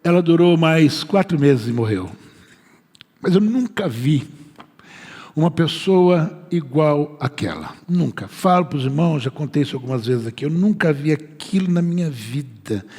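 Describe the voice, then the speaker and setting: A male pastor preaching a sermon and acting out a story, swinging from loud outbursts to hushed tones. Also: on the high side, expressive, a little slow, slightly rough. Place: church sanctuary. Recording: reverberant church hall.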